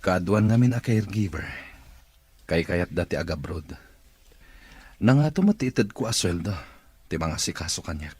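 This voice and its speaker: A man playing a stern, demanding employer in a radio drama, with a husky, grumbling delivery. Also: sits low, animated, moderate pace, long pauses, darkish tone, dry recording. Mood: impatient. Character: well-off demanding male employer seeking a caregiver.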